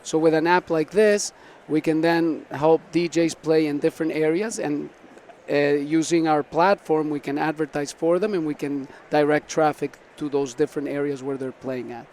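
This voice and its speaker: Over the background noise of a busy tech conference floor, a higher-voiced man explains things as a startup founder answering interview questions conversationally. Born in Canada with roots in Argentina and Venezuela, he keeps a steady tone at a moderate pace with a slightly mellow quality.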